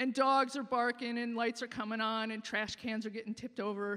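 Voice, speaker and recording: In a plain, everyday voice, a woman speaks at a moderate pace with a fairly high pitch and fairly even intonation. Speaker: farm program director. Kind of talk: live storytelling performance. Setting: theatre stage.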